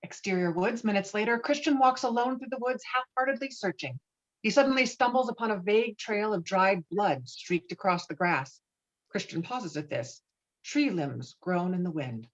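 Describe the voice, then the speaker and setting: Female stage-directions narrator, medium-pitched, scripted delivery, dull remote-call recording. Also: animated, normal speed.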